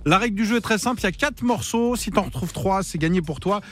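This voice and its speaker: A bright-voiced man in his thirties leads a radio quiz with playful, chatty energy. He laughs easily and keeps things moving with quick banter, while faint music plays beneath his voice. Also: high-pitched, lively intonation. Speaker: radio host. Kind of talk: upbeat radio game show patter.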